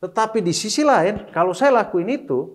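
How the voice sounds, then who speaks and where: This middle-aged interview guest, a single father, has a high-pitched voice at normal speed. He speaks casually with English phrases mixed in and perks up when he quotes his children.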